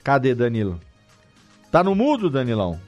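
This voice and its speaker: A man's voice: mid-range voice, huge pitch swings, normal speed, a little mellow, highs cut off, soft background music. A man with a Brazilian Portuguese accent hosting a casual, chatty podcast interview, informally rephrasing as he goes. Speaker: podcast host.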